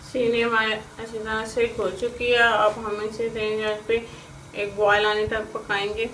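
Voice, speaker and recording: A woman's voice: on the high side, monotone, unhurried, a bit bright. A Pakistani woman with an Urdu accent hosting a cooking channel, walking through a recipe step by step in a homely way and leaning on the same filler phrase again and again. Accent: Urdu-speaking Pakistani. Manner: homely, repeats filler "jo hai" constantly. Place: home kitchen. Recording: echoey, distant kitchen recording with faint hiss.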